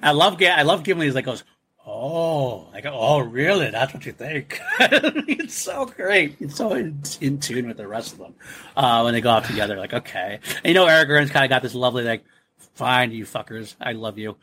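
A man's voice: medium pitch, sing-song, moderate pace, pushed and bright, slight background noise. A man co-hosting a podcast, chatting animatedly about a film, laughing often and acting out characters' lines. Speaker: podcast co-host. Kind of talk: casual film discussion.

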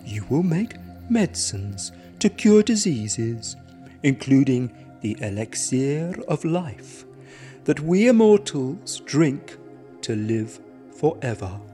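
Guy doing a solemn jade emperor god, super slow, grave, dark mellow voice. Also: medium pitch, big pitch swings, faint music behind. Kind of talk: storybook reading.

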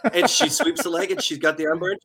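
Animated bright-voiced male co-host. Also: high voice, fairly quick, husky. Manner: animated storytelling, acts out quotes. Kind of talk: casual live commentary chat.

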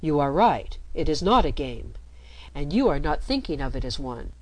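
A woman voicing a grave, calm father who speaks in a measured way. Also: sits low, rough recording.

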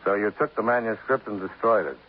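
An actor doing a blunt investigator who talks in short, dry, clipped lines in a fairly low voice. The sound is thin and tinny, with steady hiss like an old radio broadcast. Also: male voice, brisk, close to an everyday voice. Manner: terse, dry, clipped questioning. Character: wisecracking male insurance investigator, dry and blunt. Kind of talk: 1950s radio drama acting.

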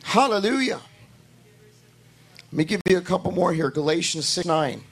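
Hoarse male pastor, high-pitched, repetitive and emphatic preaching style. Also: expressive, moderate pace, fairly bright tone. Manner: talks to the congregation directly, asking for amens. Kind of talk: sermon.

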